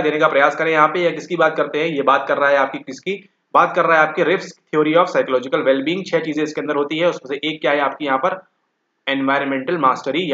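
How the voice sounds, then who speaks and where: A teacher works through exam questions aloud, speaking straight to his students and repeating key words. His voice sits a little high and sounds bright and forceful. The sound is roomy and dull, like a lo-fi recording in an echoey room. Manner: addresses students directly, repeats words for emphasis. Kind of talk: exam question walkthrough lecture.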